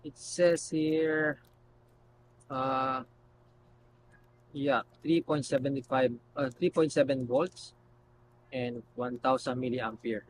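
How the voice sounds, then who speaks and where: A man hosting a casual unboxing video, talking haltingly as he thinks aloud while handling things. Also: mid-range voice, slight background noise, poor audio. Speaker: video host.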